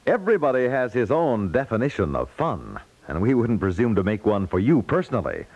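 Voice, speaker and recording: A man's voice: lowish voice, wildly swooping pitch, a little fast, a little mellow, husky, no echo. An American man announcing in 1950s network radio style, with folksy, polished salesmanship. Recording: dull, dry 1950s radio recording.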